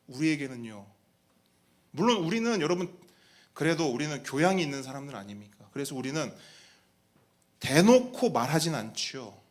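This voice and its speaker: Preaching to his congregation, a pastor with a fairly high voice speaks conversationally, asking them questions and putting on mocking voices.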